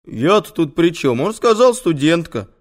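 Brief: male reader as a brusque young guy, loud and a notch higher, lively pitch. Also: moderate pace, lightly acted. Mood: defensive. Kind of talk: audiobook character voice.

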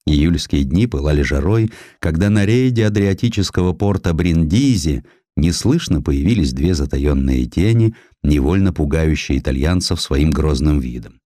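A man narrating a scripted historical essay as an audiobook, telling it in an expressive, measured, literary manner. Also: extremely low pitch, no room sound, studio quality. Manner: expressive, measured storytelling delivery.

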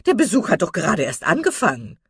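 A woman's voice: on the low side, wildly swooping pitch, quick pace, fairly bright tone, breathy edge, dry recording, clean studio sound, full character voice. A woman voicing a jolly, nosy older matron who teases boisterously. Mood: teasing. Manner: boisterous, teasing.

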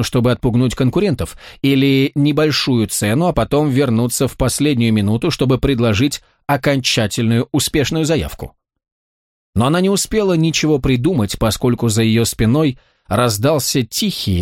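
A man narrating a novel in steady, even storytelling. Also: medium pitch, no room sound, studio quality. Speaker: audiobook narrator.

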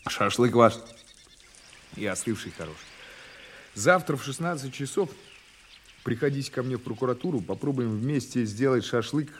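An actor playing a dry, insistent Soviet investigator with an ironic, authoritative manner in an audio drama. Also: male voice, mid-range voice, lively intonation, normal speed, pauses often, slight background noise, natural voice. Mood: probing, dry.

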